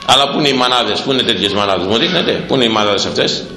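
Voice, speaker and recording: A man preaching a sermon on Proverbs, impassioned, firing rhetorical questions and rising to shouts. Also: medium pitch, reverberant, low-quality recording.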